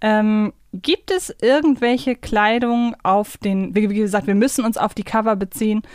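A woman's voice: mid-range voice, fairly even intonation, moderate pace, clear, resonant tone, no echo, clean studio sound. A woman co-hosting a podcast in casual discussion, conversational and thinking aloud as she goes. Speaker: podcast co-host.

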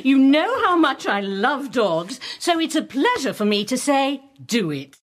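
A woman's voice: high voice, sing-song, unhurried. A British woman playing a cheerful female English schoolteacher in a children's audio drama. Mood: friendly, indulgent. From Britain.

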